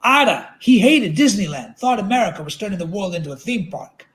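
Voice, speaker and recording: A state trooper, played by a man reading a novel aloud speaks in a high-pitched, folksy voice. He is chatty but quietly suspicious, pressing his points with insistent questions. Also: sing-song, brisk. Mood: folksy griping. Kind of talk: dramatic literary reading.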